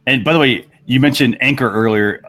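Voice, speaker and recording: A man's voice: mid-range voice, brisk, a bit bright. A man hosting a talk show, casually explaining tools and tips to his audience and fellow panelists.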